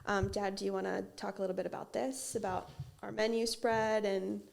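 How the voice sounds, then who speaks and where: A woman's voice: mid-range voice, little pitch movement, a little fast, gravelly, a little mellow. A woman interviewed about her catering business who talks in a friendly way and uses a lot of "um"s as she lists what they offer. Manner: friendly, frequent um fillers, lists things. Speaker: business owner guest. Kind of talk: casual interview.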